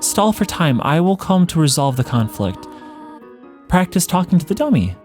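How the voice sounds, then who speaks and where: A man voicing a gentle, motherly female monster caretaker from a game, doting and formal in manner. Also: fairly high pitch, very animated, moderate pace, soft background music. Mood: encouraging. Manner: formal, careful, reassuring phrasing. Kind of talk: game dialogue read-along.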